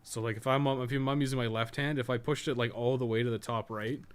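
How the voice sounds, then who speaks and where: A man's voice: medium pitch, fairly even intonation, brisk, smooth. A man chatting casually while streaming a game, rambling along and swearing freely, with some noise behind him. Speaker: game live streamer, podcast co-host. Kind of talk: casual livestream chat while gaming.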